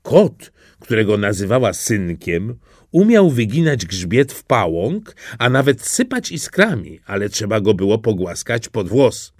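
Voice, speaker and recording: Man narrating a fairy tale, lively. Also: fairly low pitch, measured pace, no echo, clean studio sound. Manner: expressive storytelling.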